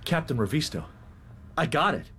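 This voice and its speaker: A man's voice: fairly high pitch, animated, moderate pace, fairly bright tone, breathy edge, voice pushed up, heavily acted. A man in his twenties playing an earnest young student who refuses an offer politely but firmly. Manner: polite, firm, principled.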